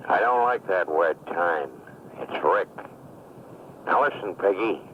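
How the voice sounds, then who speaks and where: A man's voice: deep voice, animated, slow pace, muffled recording, background noise. A man playing a streetwise ex-convict who talks pushy jive slang, heard on an old worn answering-machine tape. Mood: scheming. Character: fast-talking male ex-con just out of prison.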